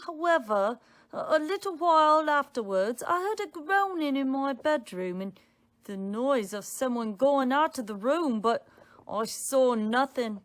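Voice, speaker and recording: A woman playing a frightened elderly cook in a dramatic reading, giving halting, anxious testimony. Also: high-pitched. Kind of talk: dramatic reading of a witness account. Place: home room, indoors.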